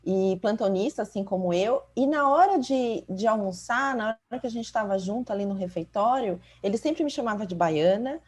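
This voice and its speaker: A woman's voice: medium pitch, lively intonation, moderate pace, few pauses, a little mellow. A woman from Salvador with a Bahian accent, a doctor co-hosting a podcast, talking reflectively and telling stories with frequent "né?" tags. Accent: Bahian Portuguese. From Salvador, Bahia, Brazil. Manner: reflective, storytelling, many filler tags like "né". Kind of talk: casual conversation.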